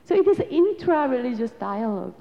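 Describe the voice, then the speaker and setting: A woman's voice: a little high, big pitch swings, fairly quick, creaky. A woman from Korea, a Korean native speaker with a Korean accent, giving a reflective lecture as a Christian theologian in non-native English phrasing. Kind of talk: lecture to an audience. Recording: dull recording with long hall reverb.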